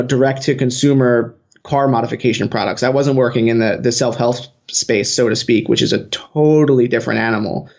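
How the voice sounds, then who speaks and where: A man's voice: medium pitch, a little mellow. Man, late twenties, earnest, fluent, dull lo-fi sound. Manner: earnest, fluent with some "you know" fillers. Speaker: guest, social media marketer. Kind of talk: interview storytelling.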